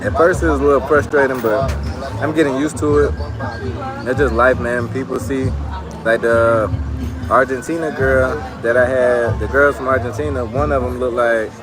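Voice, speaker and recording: A man's voice: medium pitch, fairly even intonation, moderate pace. A man vlogging outdoors at night in a bar area, talking loosely and casually with lots of "like" fillers. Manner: loose, chatty, many "like" fillers. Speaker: travel vlogger. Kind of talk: casual rambling talk to camera. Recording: outdoor street audio with loud music. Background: music from nearby bars.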